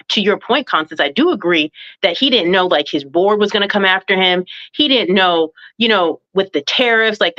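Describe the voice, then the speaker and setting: A woman's voice: medium pitch, sharp tone, highs cut off. A woman giving thoughtful, conversational answers as a panelist in a casual discussion.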